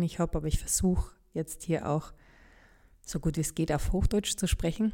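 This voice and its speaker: On a very clean recording with a silent background, a woman speaks at a moderate pace in a fairly low pitch, her tone dark and mellow and her intonation monotone and flat. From Bavaria, Upper Palatinate (rural). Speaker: podcast host, voice and spiritual coach. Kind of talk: personal monologue.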